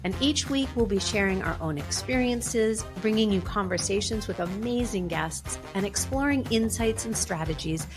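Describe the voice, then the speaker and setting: A woman's voice: mid-range voice, animated, normal speed, hardly any pauses, over music. A woman co-hosting a podcast, reading an upbeat introduction of the show and its guest. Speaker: podcast co-host. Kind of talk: podcast intro and host talk.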